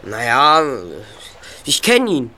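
A man's voice: fairly high pitch, big pitch swings, slow pace, pushed and bright, exaggerated voice. A young male actor playing a polite, wary teenage boy detective in an audio drama. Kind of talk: German youth audio drama acting.

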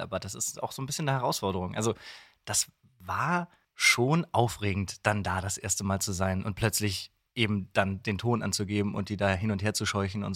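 Low-voiced young man, easygoing guest. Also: a bit bright, dry recording, clean studio sound. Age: young adult. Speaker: podcast guest, voice actor. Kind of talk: casual interview chat.

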